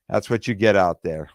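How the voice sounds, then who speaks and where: A man hosting his own podcast in casual, rambling talk, with plenty of fillers and restarts, and his voice going hoarse. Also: sits low, no echo, clean studio sound. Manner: quotes other people in dialogue. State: losing his voice. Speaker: podcast host.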